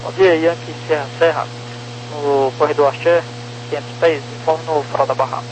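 A man's voice: on the high side, fairly even intonation, normal speed. A Brazilian man working as an approach controller, speaking in clipped, businesslike air traffic control radio phrases over a transmission. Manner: formulaic, businesslike. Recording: noisy aviation radio with hum.

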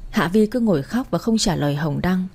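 Woman, storybook narration, mellow warm tone, steady delivery. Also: fairly low pitch, a little fast, creaky, husky.

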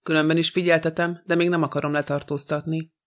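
A man reading the part of a cold, gruff French police detective in an audiobook, in a curt, dry way. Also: a little high, little pitch movement, fairly bright tone, lightly acted.

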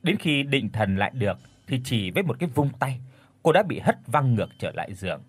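A man narrating an audio story in a dramatic, expressive way. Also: medium pitch, fairly quick, slightly rough, no echo.

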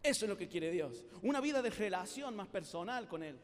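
Animated high-voiced preacher in a hall. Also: male voice, fairly quick. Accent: Rioplatense Spanish. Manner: animated storytelling with acted-out voices. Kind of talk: lively youth sermon. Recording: live sermon with long hall reverb.

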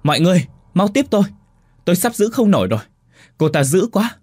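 A man voicing a young man straining to hold a falling girl, shouting in a rushed voice. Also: sits high, sing-song, no room sound, clean studio sound, pitched above the performer's own voice. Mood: desperate.

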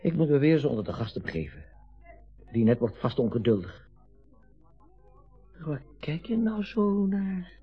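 A man's voice: fairly high pitch, very animated, moderate pace, long pauses, breathy edge, dull audio, heavily acted. A man playing an aging, grumbling, worldly party guest in a naturalistic radio drama. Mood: musing, wry. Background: faint music.

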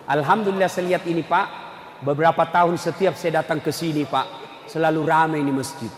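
A middle-aged man preaching a humorous sermon in a mosque, swinging from shouts to low murmurs. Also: steady tone, fairly quick, slight background noise. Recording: echoey hall, faint ambience.

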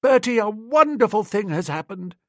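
A man's voice: high-pitched, big pitch swings, no echo, studio quality, pitched above the performer's own voice. A man doing a gushing lovestruck young toff. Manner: gushing, eager, rushing ahead. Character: excitable lovestruck young upper-class man.

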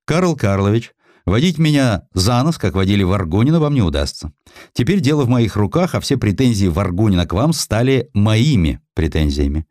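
A man's voice: fairly low pitch, very animated, normal speed, a little mellow, no echo, studio quality. A man voicing a shrewd, combative editor in an audiobook, with an emphatic, forthright manner. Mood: brisk, firm. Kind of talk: audiobook character acting.

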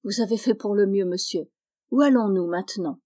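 A woman's voice: mid-range voice, normal speed, mellow, close to an everyday voice. A woman voicing a kind, honest young man in a storybook reading, polite and earnest.

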